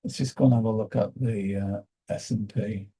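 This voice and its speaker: A British man with a croaky voice, hosting a live day trading session and thinking aloud with halting fillers. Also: fairly low pitch, fairly even intonation, warm tone.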